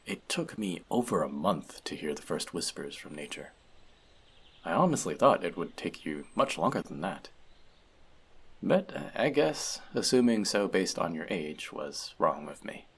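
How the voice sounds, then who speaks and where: Elf magic mentor male actor for fantasy audio drama: gentle and teasing, gravelly, very expressive intonation. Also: low voice, a little slow, heavily acted. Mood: reflective, gentle. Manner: conversational, teasing, reflective. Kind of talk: fantasy audio roleplay addressed to the listener.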